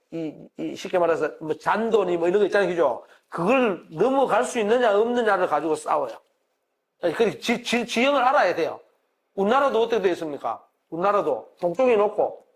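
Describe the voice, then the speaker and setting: Middle-aged male professor, Gyeongsang accent, high voice, lively pitch, chatty lecture full of questions to the class. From Gyeongsang region of Korea. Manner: conversational, asks the audience questions and answers them.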